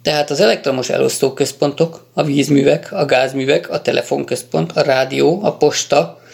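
A man's voice: on the high side, steady tone, vocal fry, a little mellow. A man reading aloud as a stern male official who gives orders. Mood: commanding. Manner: issues brisk orders. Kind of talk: audiobook reading.

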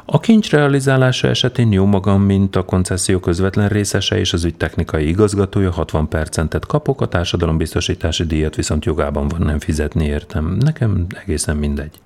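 A man doing a smug, fast-scheming con man, mocking and sure of himself, pitched a little higher and louder than the narrator. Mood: sly, mocking. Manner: mocking, self-assured, brisk. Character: cocky young male con man, smooth-talking.

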